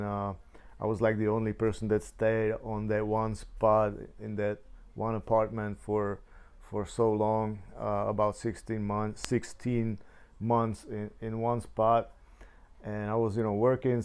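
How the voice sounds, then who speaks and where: A man recounting his own past in a casual spoken memoir, halting and full of restarts. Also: lowish voice, darkish tone, clear, resonant tone. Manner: halting, many restarts and fillers.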